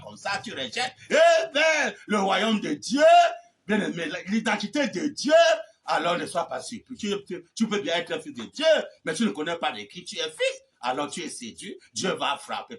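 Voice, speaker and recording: A man preaching a fervent sermon, often shouting and repeating refrains between phrases. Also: high voice, recorded from a distance. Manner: shouting, repeating "eh ben" and "amen".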